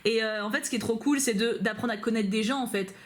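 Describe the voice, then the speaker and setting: Bubbly woman YouTuber, slightly high voice, rapid casual chat to camera. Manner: chatty, bubbly, many fillers and asides. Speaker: YouTuber reacting to fan mail. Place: at home on a couch, dog nearby.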